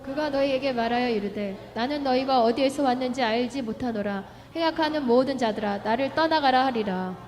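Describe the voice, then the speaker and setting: A woman reading scripture aloud in slow, measured recitation, heard as a congregation member. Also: sits high, darkish tone. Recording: reverberant hall, voice from far off.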